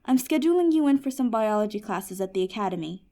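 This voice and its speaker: A woman's voice: medium pitch, animated, fast, mellow, close to an everyday voice. A woman playing a patient, wry genie who runs a magical help desk in a fantasy comedy audio drama, sounding professional. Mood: patient, businesslike. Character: patient, helpful female genie working magic support desk.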